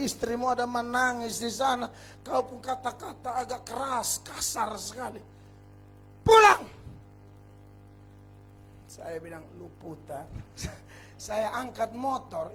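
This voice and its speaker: A male pastor preaching a revival sermon, telling a personal story with hushed asides and sudden shouts. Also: very high-pitched. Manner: animated storytelling, acts out scenes, shifts between hushed and shouting. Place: large revival meeting.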